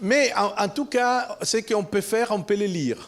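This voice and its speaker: A man talks with an Italian accent. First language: Italian (speaking French). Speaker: professor. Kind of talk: conference talk. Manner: halting, many repetitions.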